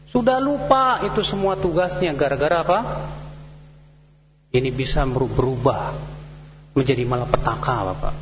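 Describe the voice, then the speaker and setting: Lively storytelling male preacher. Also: a little high, background noise. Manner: lively storytelling with acted-out quotes. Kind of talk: sermon. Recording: dull lo-fi hall recording with faint music.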